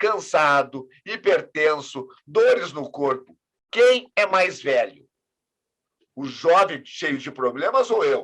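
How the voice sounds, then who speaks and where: This man's high-pitched voice moves at a very slow pace with lively intonation. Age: 70s. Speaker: physician and health educator. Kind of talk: interview conversation. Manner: confident.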